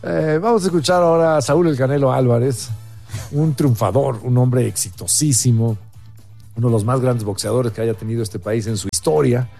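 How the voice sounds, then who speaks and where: Gravelly man co-hosting. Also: medium pitch, normal speed, dark tone, faint music behind. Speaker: co-host. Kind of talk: casual talk-show chat.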